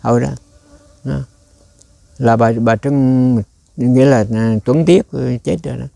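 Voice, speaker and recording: A man's voice: mid-range voice, measured pace, creaky, warm tone, no room sound. A man giving a rambling, conversational dharma talk as a Buddhist monk, often turning to quiz his listeners.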